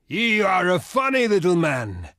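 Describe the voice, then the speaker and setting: An actor playing a proud, defiant barbarian tribal leader in a video game, speaking in solemn, declamatory, archaic phrases with a gravelly, husky voice. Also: male voice, high voice, huge pitch swings, measured pace, pushed and bright, no echo, clean studio sound, heavily acted. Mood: scornful, mocking. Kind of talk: dramatic game diplomacy voice acting.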